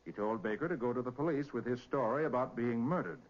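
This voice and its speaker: An actor with an American accent playing a confident master detective in 1940s radio drama, explaining things in an assured, crisp manner. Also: male voice, medium pitch, quick pace, lightly acted. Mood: assured, explanatory. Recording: muffled vintage 1940s radio recording with music.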